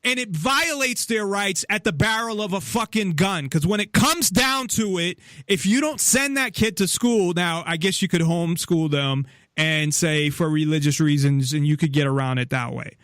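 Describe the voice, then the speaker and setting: Blunt, profane high-voiced man. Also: moderate pace, hardly any pauses, a bit bright, no echo, clean studio sound. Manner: blunt, profane, interrupts often. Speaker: podcast host. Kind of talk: heated political discussion.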